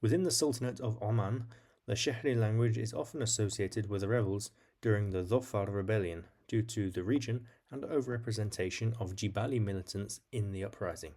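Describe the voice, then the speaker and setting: Low-pitched man narrating an explainer. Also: fairly quick, warm tone. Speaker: video host. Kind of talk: scripted educational narration.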